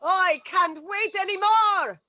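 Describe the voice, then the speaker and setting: A woman playing a haughty, impatient, hungry female vampire in a comedy table read, with theatrical drawn-out delivery. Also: extremely high pitch, pushed and bright, no echo, exaggerated voice. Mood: ravenous.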